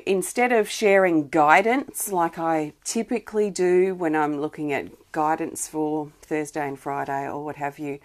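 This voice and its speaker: A woman hosting a live healing-guidance stream, speaking gently with many pauses, a bit wheezy from irritated lungs. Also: sits low. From Australia. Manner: soft, gentle, greets viewers by name, many ums and restarts. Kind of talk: live-streamed spiritual chat.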